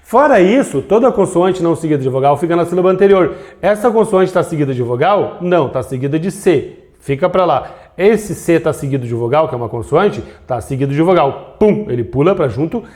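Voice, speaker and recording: Male grammar teacher, slightly high voice, animated delivery, walks students through rules by asking and answering himself. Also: fairly quick. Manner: explains step by step, asks and answers his own questions; stretches out syllables to demonstrate. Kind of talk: video grammar lesson.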